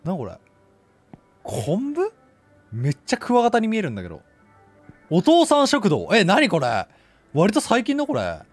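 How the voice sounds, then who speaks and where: A young man commentating live on a horror game in rough casual speech, blurting exclamations and sarcastic quips. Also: high voice, wildly swooping pitch, moderate pace, long pauses, dry recording, soft background music. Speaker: game streamer. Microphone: desk streaming mic, indoors.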